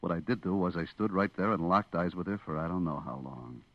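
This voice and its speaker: A man's voice: deep voice, lively intonation, brisk, creaky, dry recording. An actor playing a brash, lovestruck young American supermarket clerk, telling his story confidingly in slangy radio suspense style. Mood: smitten, hushed. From eastern United States. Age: young adult. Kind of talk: 1950s radio suspense acting, first-person narration. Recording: dull vintage radio recording with music.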